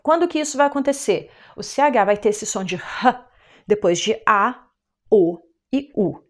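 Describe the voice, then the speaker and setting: Pitched fairly high, this young Brazilian teacher's voice carries a Brazilian Portuguese accent during an online German lesson. She goes step by step with patience, taking the example words more slowly.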